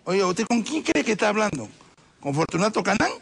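A man's voice: high voice, very animated, brisk, creaky, fairly bright tone, husky. A man playing a self-important, brusque minister in a comic phone sketch.

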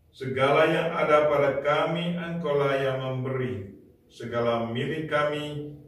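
An older man, a priest, leading Catholic mass prayers in a measured, liturgical way, heard from a distance in a small chapel. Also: medium pitch. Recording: very echoey chapel from far off.

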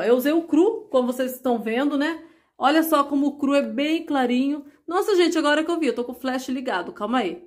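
A woman crochet vlogger from Brazil, chatting affectionately at home as she shows her work to viewers. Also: high-pitched. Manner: affectionate, chatty, calls viewers "meus amores" and "gente". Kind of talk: casual show-and-tell vlog.

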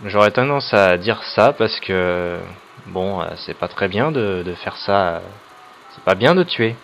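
Low-voiced man hesitantly commenting gameplay. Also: expressive, unhurried, fairly bright tone, a little hiss or hum. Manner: reads on-screen options aloud, hesitant with many fillers, joking asides. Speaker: let's play host.

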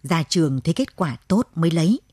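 A gruff older country father from a radio storybook, grumbling in a low, warm voice, as a woman narrator reads his lines. The voice is a little husky and sounds dry and close. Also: big pitch swings, brisk, dry recording, heavily acted. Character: worried rural father, older man, gruff and blunt.

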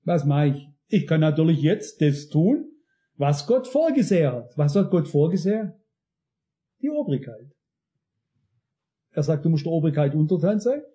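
Bright, high-voiced emphatic male preacher. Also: big pitch swings, moderate pace, long pauses. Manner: emphatic, addresses the congregation directly with frequent questions. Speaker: pastor. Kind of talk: sermon.

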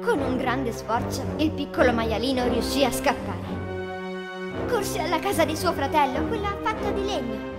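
A woman storyteller with a high voice narrates a children's fairy tale from a script. Music plays clearly behind her. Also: moderate pace.

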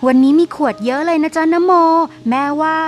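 A woman voicing a kind, humble, poor mother, gentle and polite, in a cartoon story. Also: high voice, a little fast, music in the background, natural voice.

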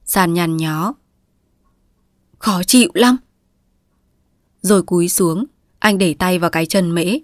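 A woman storyteller reading a literary short story aloud in a steady, even manner. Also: fairly low pitch, moderate pace, dry recording, clean studio sound.

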